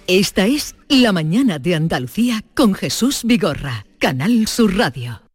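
A woman's voice: medium pitch, big pitch swings, measured pace, husky, no room sound, studio quality. A woman announcing scripted station promos on the radio. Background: music bed.

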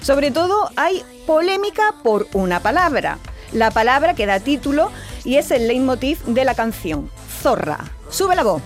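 A woman's voice: high-pitched, very animated, normal speed, faint music behind. A middle-aged woman from Andalusia with a Jaén accent, presenting a radio section in a chatty, explanatory way and often tagging questions onto her points. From Alcaudete, Jaén, Andalusia. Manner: chatty, explanatory, keeps adding tag questions. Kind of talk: radio talk segment. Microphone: studio microphone.

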